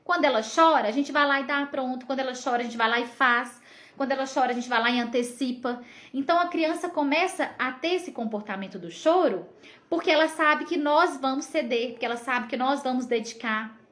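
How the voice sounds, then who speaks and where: A Brazilian woman in her thirties teaches parents as a psychologist. Her voice sits high, and she explains patiently, often turning to listeners with a quick question to check they follow. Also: fairly bright tone. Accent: Brazilian Portuguese. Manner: explanatory, frequent tag questions to viewers. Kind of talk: live parenting lesson.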